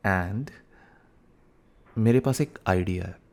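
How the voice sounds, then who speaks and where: In a boyfriend ASMR roleplay, a young man with a deep, darkish voice plays a teasing, playful young husband who is cheekily bossy but gets flustered. He speaks slowly, repeats words, and mixes in some English.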